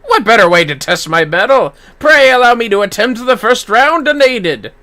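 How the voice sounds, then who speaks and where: A man's voice: very high voice, big pitch swings, normal speed, sharp tone, full character voice. A man voicing an earnest, eager young swordsman from a fantasy game, speaking in formal, archaic, valiant phrases.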